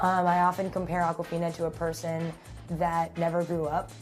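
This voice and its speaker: Over music in the background, a woman speaks in a raspy voice at a fairly low pitch. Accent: American. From New York. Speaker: actress and comedian. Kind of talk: interview answer.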